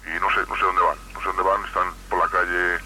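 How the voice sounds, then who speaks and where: A police officer, a man, reports over a hissing police radio in a lowish voice. His sentences come tense and halting, each closed with a sign-off. The transmission is an old, distant archive recording. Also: level tone.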